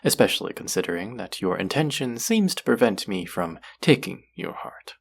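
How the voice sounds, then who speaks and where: Man as a very deep, gravelly, possessive demon. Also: very animated, exaggerated voice. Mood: wry, probing. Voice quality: low, husky, gravelly. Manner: slow, teasing, menacing, often dropping to a whisper. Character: possessive, seductive demon who craves human hearts. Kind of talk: intimate scripted audio roleplay.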